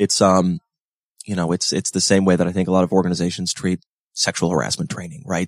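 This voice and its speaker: This man's very deep, low voice stays monotone and flat, recorded dry and close with no echo and a silent background on a very clean track. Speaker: radio host. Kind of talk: interview, business radio. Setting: studio.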